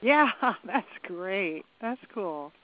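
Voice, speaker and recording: A woman hosting an interview who reacts with enthusiasm and asks halting questions full of restarts. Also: mid-range voice, animated, dry recording. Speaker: interview host. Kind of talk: casual interview chat. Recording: phone-like narrow line.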